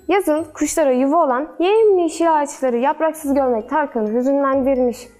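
A woman storyteller reading a children's fairy tale in a gentle, measured way. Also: high-pitched.

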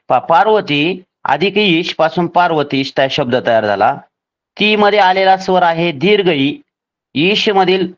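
A man teaching a grammar lesson for a scholarship exam, spelling out each rule slowly and deliberately, step by step. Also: on the high side, lo-fi sound.

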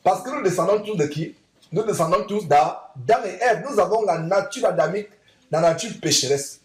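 A man's voice: sits high, animated, moderate pace, a little mellow, roomy sound, poor audio. A man preaching a sermon to his congregation, emphatic, asking rhetorical questions and repeating lines. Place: church assembly hall.

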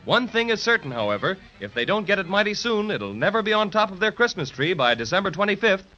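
A man's voice: sits high, sing-song, fast, pushed and bright. A man narrating the close of a serial episode in a folksy, wry storyteller manner. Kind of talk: scripted serial wrap-up narration. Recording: dull lo-fi 1930s transcription with music.

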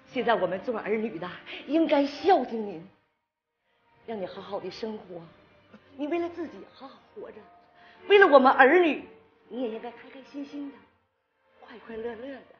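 A woman's voice: fairly low pitch, lo-fi sound. A woman playing an earnest, devoted daughter-in-law in a stage comedy sketch, coaxing her father-in-law. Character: devoted pleading daughter-in-law, middle-aged. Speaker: sketch actress. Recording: echoey stage sound.

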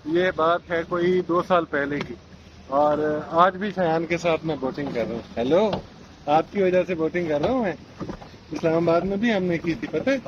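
Chatting casually for his vlog, a young father playfully coaxes his child along at an outdoor amusement park by a lake. His voice sits on the high side at normal speed. Outdoor noise and muffling affect the recording.

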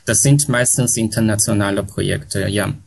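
A middle-aged man from China, a podcast guest talking slowly and hesitantly, with many pauses and restarts. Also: on the low side, fairly even intonation, gravelly. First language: Chinese. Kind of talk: casual podcast conversation. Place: home near an airport. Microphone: remote call from home.

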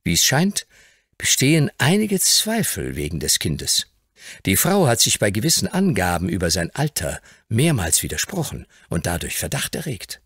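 Good-natured young lawyer, read by a man, articulate and teasing, a little raised, husky, storybook reading. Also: on the low side, huge pitch swings, normal speed, a bit bright, no echo, studio quality, exaggerated voice. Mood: thoughtful.

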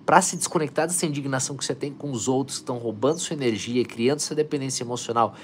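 A man's voice: medium pitch, a little hiss or hum. A man hosting a motivational live stream, urging viewers on with energy and reading out their comments. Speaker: live stream host, coach.

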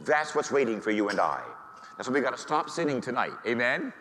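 A middle-aged man, a priest, preaching and telling a story with great feeling, dropping to a hush and rising to high excited tones. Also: brisk, slight background noise. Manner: animated storytelling, swings from hushed to high excited voice. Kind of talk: sermon. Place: church. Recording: reverberant church hall.

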